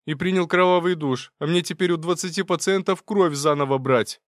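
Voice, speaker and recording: A man's voice: fairly high pitch, expressive, normal speed, no echo, studio quality, pitched above the performer's own voice, close to an everyday voice. A man voicing a flustered female head nurse who complains in a raised voice. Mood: indignant.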